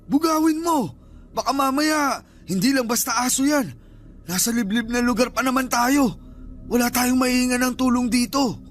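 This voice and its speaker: A man's voice: very high-pitched, normal speed. A man playing a dismissive uncle who sells fake herbal remedies in a radio drama. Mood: uneasy. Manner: scolding, dismissive. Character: scheming uncle selling fake herbal cures. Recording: music underneath.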